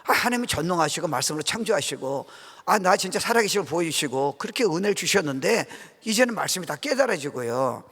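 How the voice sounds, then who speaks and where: A slightly high, sing-song male voice with a fairly bright tone and a breathy edge moves fast through a conversational revival sermon. The middle-aged guest pastor is earnest and informal, frequently questioning the congregation, and the large sanctuary gives the recording a reverberant hall quality.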